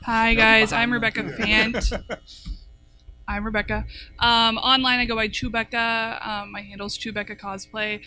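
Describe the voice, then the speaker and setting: Cheerful, higher-voiced woman cosplayer. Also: flat delivery, a little slow, sharp tone. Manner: cheerful, enthusiastic. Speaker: cosplayer, panelist. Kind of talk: casual convention panel talk.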